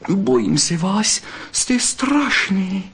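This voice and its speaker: A man's voice: lively intonation, gravelly, a bit bright, breathy edge, heavily acted. A man doing a shy, frightened young vixen. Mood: frightened pleading. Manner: high trembling pleading. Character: young female fox, shy and frightened in love.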